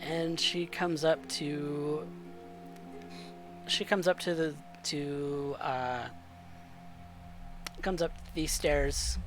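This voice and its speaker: Man game master narrating, music behind. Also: fairly high pitch. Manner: halting, improvised narration. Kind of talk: narrating a tabletop roleplaying game.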